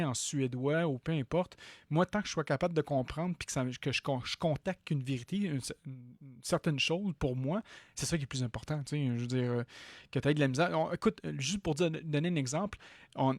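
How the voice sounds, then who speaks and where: A man's voice: on the high side, dry recording, clean studio sound. A man with a Québécois accent hosting a podcast, talking casually with many fillers and restarts. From Quebec. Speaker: podcast host.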